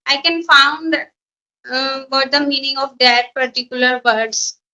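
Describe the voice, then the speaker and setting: A woman teacher from a small village with an Indian accent, speaking English as a learner, her first language Hindi, pausing to search for words. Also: high-pitched, fairly even intonation, pushed and bright, rough recording. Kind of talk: English practice conversation.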